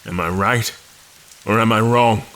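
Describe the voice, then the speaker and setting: An actor playing a weary, defiant space admiral held prisoner, intense and suspicious, narrating and speaking in an audio drama. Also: male voice, fairly low pitch, a little slow, a bit bright. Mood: bitter, insistent. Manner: intense, accusatory. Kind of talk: audio drama first-person narration and dialogue.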